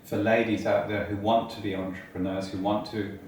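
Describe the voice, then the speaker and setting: A man's voice: on the low side, little pitch movement, brisk, darkish tone. A man interviewing a guest, hesitant and often repeating words. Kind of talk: interview conversation. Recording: echoey room, from a distance, faint noise.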